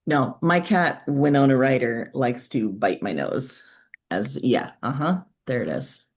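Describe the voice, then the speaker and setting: A woman's voice: a bass voice, expressive, a little slow. A woman talking casually as an interview guest, in a thoughtful, informal and wry manner. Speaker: author and podcaster, interview guest.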